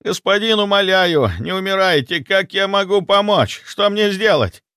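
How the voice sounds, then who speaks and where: A man's voice: high-pitched, normal speed, pushed and bright, clear, resonant tone, no room sound, clean studio sound, pitched above the performer's own voice. A man doing a panicked old butler. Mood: panicked pleading. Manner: frantic, pleading. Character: panicked old male butler, devoted servant.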